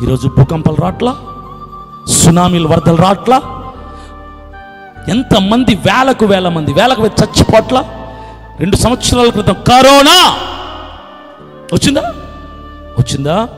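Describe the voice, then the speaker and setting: A male preacher delivering a fiery, emphatic sermon, often shouting and repeating phrases. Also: high-pitched, expressive, unhurried, pauses often, big-room sound, faint music behind.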